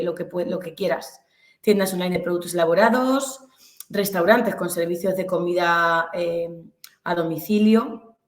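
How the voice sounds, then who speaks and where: A woman from Spain with a Castilian accent giving an informal online lecture, explaining hesitantly and searching for words. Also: on the low side. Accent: Castilian Spanish. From Albacete, Castilla-La Mancha, Spain. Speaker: webinar presenter, business instructor. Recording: echoey room sound.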